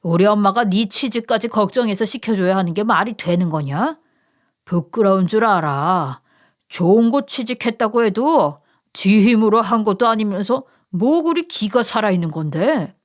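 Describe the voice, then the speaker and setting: A woman's voice: medium pitch, expressive, normal speed, natural voice. A woman voicing a condescending older brother who scolds and sneers in a radio story. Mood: contemptuous.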